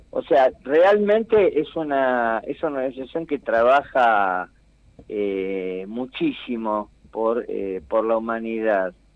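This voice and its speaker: Speaking very slowly, a man keeps a medium pitch and lively intonation. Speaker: history columnist. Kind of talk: radio segment talk.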